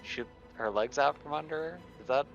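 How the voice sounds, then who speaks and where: A man's voice: a little high, moderate pace, fairly bright tone, soft background music. A man chatting casually as a tabletop player, hesitantly thinking aloud, on dull lo-fi audio. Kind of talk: casual game chat.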